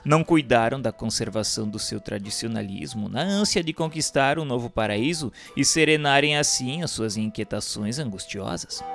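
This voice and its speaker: Brazilian guy doing a solemn formal narration, like an audiobook, soft guitar music behind him. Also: mid-range voice, creaky. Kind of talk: scripted narration, audiobook-like reading of a religious history text. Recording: voice over instrumental guitar music. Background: instrumental music with guitar.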